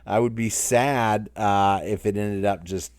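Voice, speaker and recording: A man's voice: lowish voice, fairly even intonation, a little slow, a little mellow, smooth, no echo, studio quality. A man with a Maine accent hosts a casual Q&A chat, rambling as he reads viewer comments aloud. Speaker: channel host.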